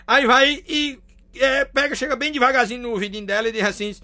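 A middle-aged man with a Northeastern Brazilian accent telling crude jokes in a lively, slangy style. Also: very high voice, a little fast. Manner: lively storyteller, slangy, laughs at own punchlines, acts out squealing women. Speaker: joke teller.

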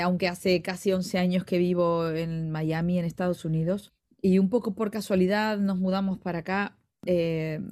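A middle-aged Argentine woman with an Argentine accent, a guest singer answering interview questions in a measured, explanatory way with soft fillers. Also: fairly low pitch. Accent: Argentine Spanish.

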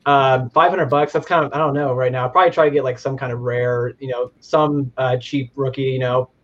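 A man's voice: medium pitch, steady tone, fairly quick, fairly bright tone, dull audio. A man in his twenties from Indianapolis, a guest on a casual podcast, talking in a laid-back, hesitant way with lots of fillers. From Indianapolis, USA. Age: 20s. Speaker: guest from a community Discord.

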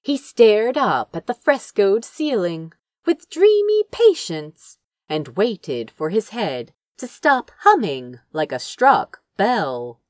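A woman reading fiction aloud as an expressive, theatrical narrator with deliberate phrasing. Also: medium pitch, no echo. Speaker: audiobook reader of fan fiction. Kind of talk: expressive dramatic scripted narration.

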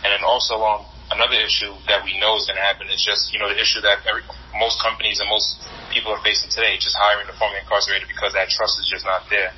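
A man's voice: fairly low pitch, flat delivery, quick pace, husky. A man heard over a phone on speaker, answering interview questions about his job app in a loose, rambling way, often repeating and restarting phrases. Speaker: founder of a job app for the formerly incarcerated. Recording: muffled speakerphone line.

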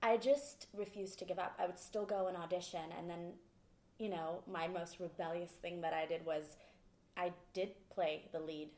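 A woman from Sweden, a podcast guest, telling her story in a lively, candid way. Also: fairly low pitch, normal speed, roomy sound. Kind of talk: casual interview talk.

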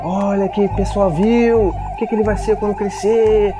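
A man's voice: sits high, fairly even intonation, moderate pace, music in the background, pitched above the performer's own voice, close to an everyday voice. A man voicing a small, malicious male devil creature that tempts a parent, speaking slyly. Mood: tempting. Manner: sly, whispering temptation in the ear.

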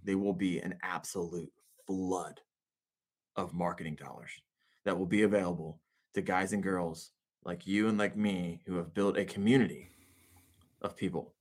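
A man guesting on a podcast with a fairly low voice. He speaks confidently and emphatically, presses his opinions, and now and then stumbles over a word before pushing on. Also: steady tone, moderate pace, long pauses. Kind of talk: casual podcast chat.

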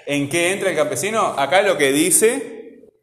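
A man's voice: on the high side, expressive, measured pace, fairly bright tone, slight background noise. A man teaching a classroom grammar lesson, asking questions patiently and repeating key points. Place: classroom with a voice-bouncing echo. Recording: echoey classroom with long reverb.

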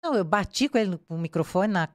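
A woman's voice: medium pitch, very fast, dry recording, clean studio sound. Brazilian woman reporter telling a story. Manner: animated, acts out quoted dialogue. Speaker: crime reporter. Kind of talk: casual interview storytelling.

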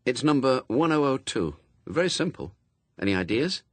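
A man's voice: mid-range voice, very animated, normal speed, dry recording. A man voicing a clever, sweetly teasing woman in a storybook, with a precise, breezy, matter-of-fact manner. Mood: sweetly pointed.

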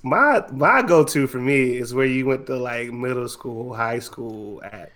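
A man's voice: medium pitch, animated, measured pace, fairly bright tone. An American man co-hosting a podcast, chatting casually in slang and often chiming in to agree. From United States, military family. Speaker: podcast co-host.

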